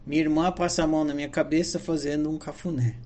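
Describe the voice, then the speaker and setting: A man's voice: on the high side, little pitch movement, fast, a little mellow. A man with a Brazilian Portuguese accent, reading a personal diary entry aloud in an earnest, reflective way. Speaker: diary narrator.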